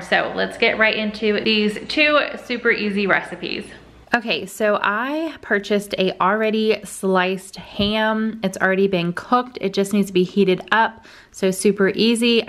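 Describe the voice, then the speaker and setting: Bright, chatty woman cooking vlogger. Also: mid-range voice. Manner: chatty, upbeat, addresses viewers as y'all and guys. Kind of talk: casual cooking vlog. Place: home kitchen. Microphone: camera at close range.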